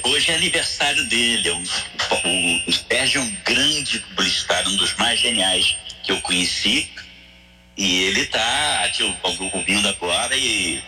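A man calling in to a radio show, heard over a phone on speakerphone, talking in a friendly, easygoing way. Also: on the low side. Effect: on speakerphone over a phone line. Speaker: radio caller. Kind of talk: casual chat.

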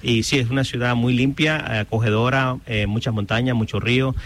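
A man from Honduras answers interview questions plainly and agreeably, often pausing with hesitations. A faint noise sits behind his voice. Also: mid-range voice, steady tone, fairly bright tone. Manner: affirming, plain-spoken, hesitant fillers. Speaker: guest, local Spanish-language media director. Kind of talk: casual interview.

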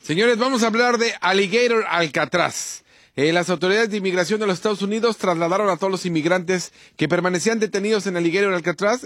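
Man, fast news reading, slightly high voice, radio co-host, dry studio. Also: no echo.

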